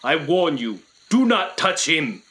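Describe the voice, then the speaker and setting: A man's voice: on the high side, big pitch swings, takes it slowly, bright, forceful tone, full character voice. A man playing a proud, ominous jungle tribal leader with formal, portentous delivery in a radio play. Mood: cold, warning.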